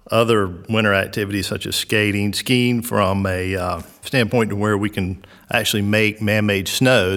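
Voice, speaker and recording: A middle-aged man from South Georgia with a Southern accent, answering interview questions in an unhurried way, with many "uh"s and "um"s. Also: fairly low pitch, a bit bright, long reverb tail. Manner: unhurried, lots of "uh" and "um" fillers. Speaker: resort recreation director.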